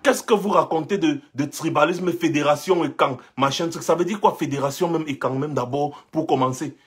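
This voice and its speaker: Young Cameroonian man, high husky voice, insistent rhetorical commentator. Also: a little fast. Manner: rhetorical and insistent, repeats his points. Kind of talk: impassioned monologue.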